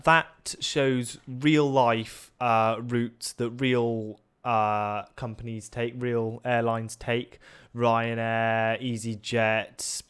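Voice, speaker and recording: A man's voice: mid-range voice, fairly bright tone, smooth. A young man co-hosting a flight-sim tutorial, explaining things step by step with some hesitation and fillers.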